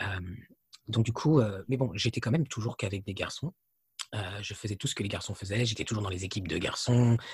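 A man talks at a fairly quick pace with a fairly low pitch, ordinary pitch variation and a somewhat breathy sound. Long, frequent pauses break up his speech on a very clean recording with a silent background. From France, Paris suburbs. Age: 40s. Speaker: graphic designer. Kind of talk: casual chat.

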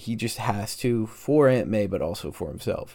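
A man speaks with a dark, mellow tone at a fairly low pitch. His intonation is lively. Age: 20s. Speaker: podcast host. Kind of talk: casual monologue. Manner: rambling.

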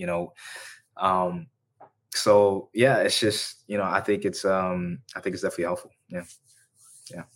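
A man with an American accent at a moderate pace, with long, frequent pauses, on a very clean recording with a silent background. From US South (Alabama). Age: 20s. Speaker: mental health survivor. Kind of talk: casual interview. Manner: halting, many fillers.

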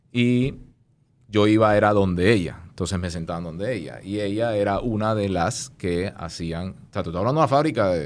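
With audible room echo, a man speaks at a moderate pace in a fairly low voice full of lively intonation. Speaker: advertising entrepreneur. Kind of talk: casual interview. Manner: animated.

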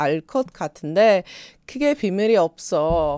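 A woman speaks at a very slow pace, with a medium pitch and lively intonation. The sound is dry and close with no echo, in a very clean recording with a silent background. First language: not Korean (Korean learner) (speaking Korean). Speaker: podcast co-host, Korean learner. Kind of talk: casual chat.

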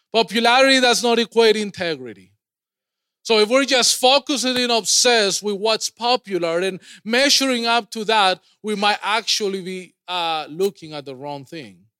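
A man with a high pitch uses a raised, projected voice and a bright, sharp, upbeat, animated tone, with lively intonation and big swings in loudness, captured in a very clean recording with a silent background. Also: moderate pace. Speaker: ministry director and chapel speaker. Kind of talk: chapel sermon. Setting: chapel with students.

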